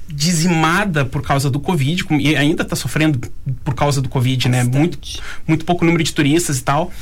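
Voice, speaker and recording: There is audible room echo and noticeable background noise. Over it, a man talks fairly quickly at a fairly high pitch. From southern Brazil, Rio Grande do Sul. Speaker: audiovisual professional and former electrician. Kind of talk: radio interview.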